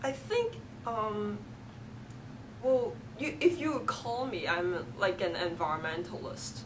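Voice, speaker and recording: Speaking at a fairly slow pace with long, frequent pauses, a woman with a Cantonese accent is heard over noticeable background noise and audible room echo. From Hong Kong. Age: 20s. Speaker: student. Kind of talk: interview. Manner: hesitant, many fillers.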